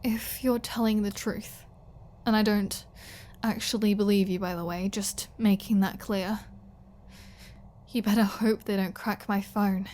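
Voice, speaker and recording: A woman playing a flirty, starving captive vampire in an ASMR roleplay, halting and teasing, with breathy asides and pleading. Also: mid-range voice, steady tone, a little mellow, slight background noise, lightly acted. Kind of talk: ASMR roleplay audio drama.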